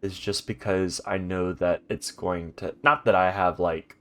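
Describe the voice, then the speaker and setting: A man's voice: low voice, fairly even intonation, unhurried, a bit bright. A man hosting a game playthrough in a rambling, chatty way, his voice congested from a stuffy nose, recorded at home. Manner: rambling, chatty, many ums and restarts. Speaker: let's play host. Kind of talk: casual gaming commentary. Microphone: home recording mic.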